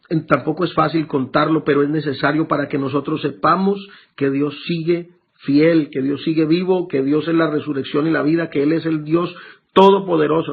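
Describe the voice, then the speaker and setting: A pastor giving an emotional sermon testimony to his congregation, halting and repeating words as he speaks. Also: fairly high pitch, creaky, husky. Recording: tinny lo-fi phone-like recording with faint music.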